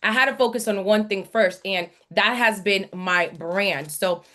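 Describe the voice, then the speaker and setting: A woman coach leads a live online business masterclass. She speaks in a motivational, emphatic way, repeating key phrases to drive them home. Her pitch sits in the middle range for a woman. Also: a little slow, a bit bright. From born in the Dominican Republic, grew up in New York City and South Florida.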